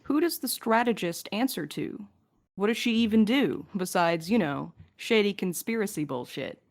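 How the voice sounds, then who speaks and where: A woman's voice: mid-range voice, lively intonation, normal speed. A woman co-hosting a podcast, casually answering listener questions in a joking, casually sweary way. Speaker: podcast host and crew member.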